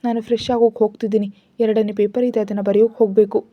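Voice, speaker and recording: A woman's voice: medium pitch, level tone, very fast, dry recording, close to an everyday voice. A woman voicing a proud teenage schoolgirl who sounds tense and worn out. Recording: dull lo-fi recording.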